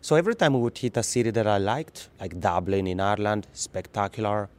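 A somewhat low-voiced man with a Swiss Italian accent, Italian being his first language, talks casually as a guest on a podcast interview. He is lively and laughs easily, and sometimes repeats a word as he restarts a thought. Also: fairly quick. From Italian-speaking Switzerland.

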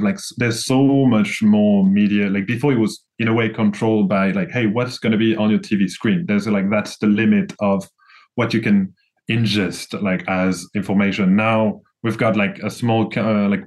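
A young man from France with a French accent, a guest chatting casually, rambling with many restarts and fillers. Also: fairly low pitch. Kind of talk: casual conversation.

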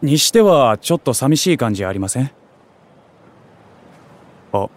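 A young, nerdy guy in a voice drama, with a medium-pitched voice. He is keen and chatty, mixing gamer slang with casual deference to his seniors. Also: sing-song, measured pace. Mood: dismayed. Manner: gamer slang, casual junior-style politeness. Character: geeky, slangy young junior, eager food lover. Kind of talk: Japanese voice drama acting.

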